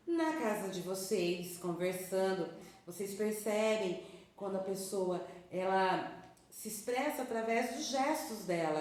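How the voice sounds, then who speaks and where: A woman's voice: fairly low pitch, darkish tone. A woman teacher explaining a lesson in a recorded online class, with tag questions and self-corrections. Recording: very echoey room, faint background noise.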